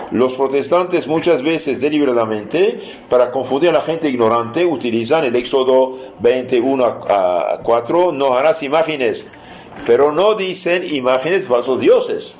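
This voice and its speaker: A man, a priest, giving a catechism lesson, asking rhetorical questions, answering them emphatically and reading scripture slowly and deliberately. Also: mid-range voice, darkish tone. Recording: echoey room with faint noise.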